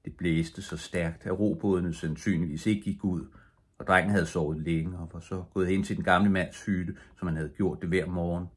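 An older man reads a bedtime story aloud in a calm, steady way. His voice is very low and husky. He keeps an even pace from line to line. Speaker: audiobook reader.

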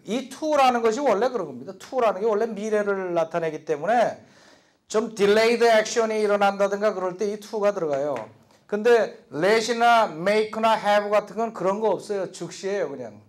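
A man teaching a lecture class, explaining quickly between slow, repeated English drill phrases. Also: high-pitched.

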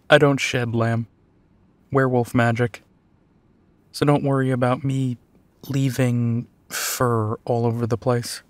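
Werewolf detective, male voice actor, audio roleplay: protective, tender, unhurried delivery, dry intimate sound. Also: mid-range voice, level tone, no room sound, close to an everyday voice. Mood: soft, hesitant. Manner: slow, soft, reassuring, with pauses and sighs. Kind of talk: intimate second-person audio drama roleplay.

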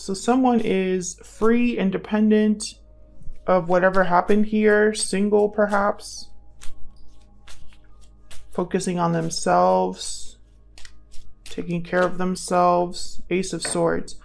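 A woman giving a casual tarot reading, thinking aloud and speaking straight to the listener in a conversational way, with gravelly vocal fry. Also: mid-range voice, little pitch movement, slow, a little mellow, soft background music. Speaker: tarot reader, channel host.

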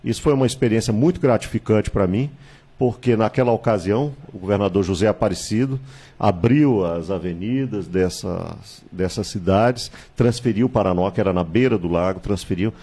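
A man, a candidate recounting his life in a studio interview, measured and reminiscing, with hesitations and tag questions, on a handheld mic. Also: fairly low pitch, warm tone, husky. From Salvador, Bahia, Brazil. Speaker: political candidate, guest. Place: small TV studio with virtual set.

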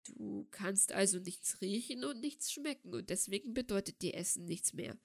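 A woman reading the lines of a patient, earnest young man in an audiobook, soft and pleading. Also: medium pitch, lively intonation, moderate pace, gravelly. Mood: questioning.

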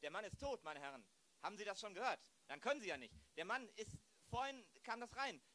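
A man's voice: sits high, big pitch swings, fairly quick, pushed and bright, full character voice. A man playing an agitated, impatient police chief in an improvised radio play, blustering and stumbling over his words.

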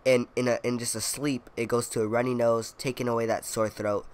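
A young man records gameplay commentary while clearly congested and coughing now and then. He rambles through his week in a loose, filler-heavy way, throwing in playful brags. Under the stuffiness his mid-pitched voice stays smooth. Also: little pitch movement, a little fast. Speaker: gaming video creator. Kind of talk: casual commentary over gameplay.

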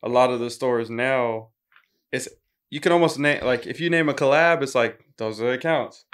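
A man in his thirties hosting a podcast, relaxed and steady, with short agreeing replies, speaking into a studio mic. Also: mid-range voice, moderate pace. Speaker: podcast host. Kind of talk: casual interview chat. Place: sneaker-lined studio, indoors. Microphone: mounted podcast mic.

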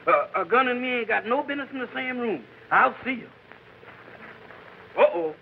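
A skittish American man, a comic sidekick, jittery and folksy. The voice is high and swooping, in 1940s film comedy style on a thin old soundtrack. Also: lively intonation, normal speed, vocal fry, narrow, tinny audio, a little hiss or hum, full character voice. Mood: frightened. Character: nervous, skittish studio janitor sidekick, comic.

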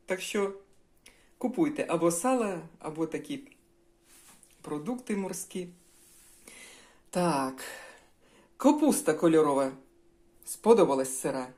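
A woman's voice: on the low side, expressive, takes it slowly, long pauses, darkish tone. An older woman chatting casually at home while she tastes food and cooks, giving homely advice to her viewers. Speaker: home cooking vlogger. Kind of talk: casual talk while tasting and cooking.

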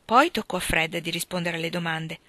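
A woman reading a classic novel aloud as an audiobook narrator, clear and expressive. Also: lowish voice, a little fast, dry recording. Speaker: audiobook reader. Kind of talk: scripted narration.

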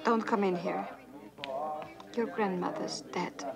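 A woman's voice: medium pitch, slow pace, vocal fry, over loud music. A woman voicing a brusque, defensive, commanding mother in a family cartoon.

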